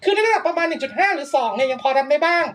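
A woman's voice: sits high, expressive, rapid-fire, a little hiss or hum. A young woman streamer giving chatty, polite gameplay commentary, laughing often and reacting with exaggerated dismay. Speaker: VTuber streamer.

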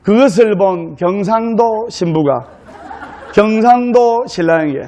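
A male Buddhist monk giving a humorous dharma talk to a live audience, telling a story in a jokey, lively way. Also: high voice, measured pace, a little hiss or hum.

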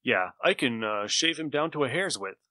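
A man's voice: medium pitch, expressive, moderate pace, pushed and bright, dry recording, studio quality. A man co-hosting a podcast in a playful, enthusiastic, casual chat. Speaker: podcast co-host. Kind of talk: casual chat about comic books.

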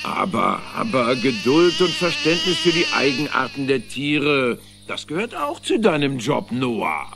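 A man's voice: mid-range voice, wildly swooping pitch, a little slow, creaky, hardly any pauses, fairly bright tone, slight background noise, full character voice. A man acting an impatient, pompous God in a children's cartoon film, scolding in old-fashioned phrases yet fond. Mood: solemn.

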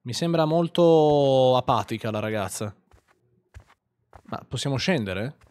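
A man's voice: medium pitch, animated, a little slow, darkish tone. A man streaming a game live, commenting sarcastically, swearing and mocking what he plays.

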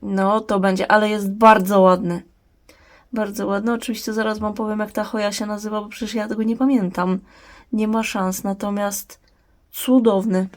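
A woman's voice: medium pitch, level tone, normal speed. A woman hosting a plant-care vlog, chatting casually at her indoor grow box and talking tenderly to her plants. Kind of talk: casual talk while tending plants.

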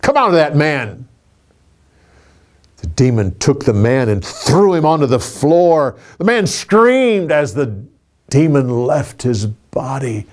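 A man in his sixties telling a Bible story from memory in a studio, animated and expressive, with small restarts. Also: mid-range voice, takes it slowly. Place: indoor studio with a curtain backdrop.

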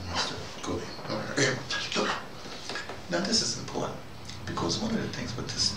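Older guy rambling through his commentary, crackly low voice, echoey room, kinda far from the mic. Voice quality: gravelly. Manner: digressive, repeats words, conversational, animated asides. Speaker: host of a spoken commentary. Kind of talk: informal spoken tirade, rambling commentary. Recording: roomy, distant mic, noticeable background noise.

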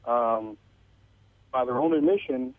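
A man's voice: medium pitch, slow pace, no echo. A male caller on a radio phone-in, explaining his view steadily. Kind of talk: phone-in call. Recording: phone line.

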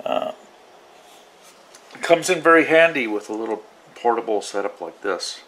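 Male hobby vlogger, casual and unhurried, loosely thinking aloud, slow delivery. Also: fairly low pitch, expressive, fairly bright tone, low-quality recording. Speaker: radio hobbyist demonstrating receivers. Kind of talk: casual vlog demonstration. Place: small indoor radio desk.

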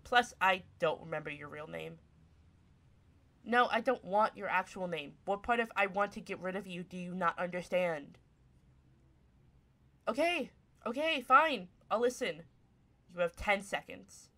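A woman's voice: fairly low pitch, expressive, a little slow, pauses often, sharp tone, exaggerated voice. A voice actress playing a grumpy tsundere young woman turned half cat, snappy, sarcastic and easily flustered, in a one-sided ASMR roleplay. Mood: irritated, dismissive, then suspicious. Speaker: voice actor.

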